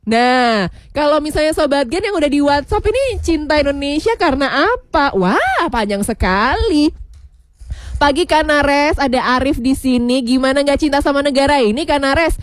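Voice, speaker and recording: A woman's voice: high voice, animated, normal speed, dry recording. A woman radio host, chatting casually on a morning show, laughing often and slipping into regional words, her voice a bit worn. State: voice worn from shouting. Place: radio studio.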